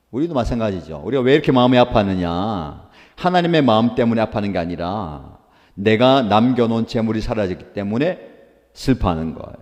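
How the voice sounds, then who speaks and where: Male pastor, low warm voice, earnest preacherly delivery, poses questions and answers them, long church-hall reverb. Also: muffled recording. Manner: asks rhetorical questions and answers them himself. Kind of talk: daily devotional sermon.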